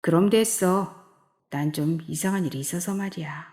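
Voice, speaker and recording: A woman's voice: medium pitch, expressive, a little slow, mellow, natural voice. A woman voicing a pushy, commanding middle-aged male friend in an audiobook reading. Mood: bossy. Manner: commanding, needling.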